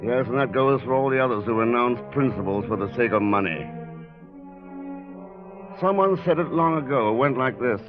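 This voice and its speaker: A man's voice: mid-range voice, expressive, normal speed, long pauses, music in the background, natural voice. Man as a composed radio detective hero, muffled recording. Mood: solemn. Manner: terse, composed, moralising. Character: self-assured, dry-witted male investigator hero. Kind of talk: 1940s radio acting. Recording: dull old-time radio recording.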